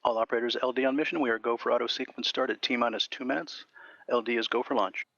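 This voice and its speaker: Male launch director heard over a dry, dull comms loop; level, monotone callouts. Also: mid-range voice, fast talker, vocal fry, no echo. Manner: flat, clipped procedural delivery. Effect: dull mission control comms loop audio. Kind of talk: terse operational callouts.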